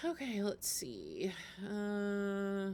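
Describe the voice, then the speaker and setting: A woman's voice: mid-range voice, huge pitch swings, very slow, a little mellow. A woman livestreaming video games, chatting casually and poking fun at herself. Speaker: game livestreamer. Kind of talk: casual gaming stream chat. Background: game music.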